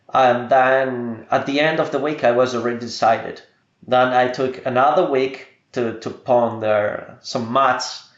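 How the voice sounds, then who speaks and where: A man speaks at a fairly slow pace with an Italian accent and a medium pitch. Audible room echo surrounds his voice. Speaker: historical martial arts instructor. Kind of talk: podcast interview. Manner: halting.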